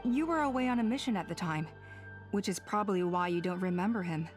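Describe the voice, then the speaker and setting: An actress playing a composed, cautious female tribal elder in a video game, measured and authoritative. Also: on the low side, soft background music, natural voice. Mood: calm, recounting. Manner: measured, explanatory. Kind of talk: game voice acting.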